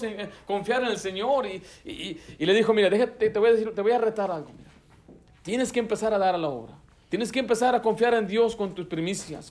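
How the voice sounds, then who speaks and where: A man with a notably high speaking voice preaches a Baptist sermon from the pulpit. He is emphatic and repeats his key points. He also acts out the dialogue of the people in his illustrations. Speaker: pastor. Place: church sanctuary.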